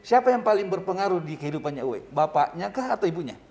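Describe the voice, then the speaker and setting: Man, show host, interviewer, fairly high voice, chatty, casual. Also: very animated, fast talker, darkish tone. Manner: chatty, lots of short agreeing replies.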